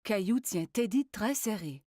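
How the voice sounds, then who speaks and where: A woman narrating a children's cartoon in an expressive scripted storytelling style, speaking the characters' lines as well. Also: medium pitch, measured pace. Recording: music behind the narration. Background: music.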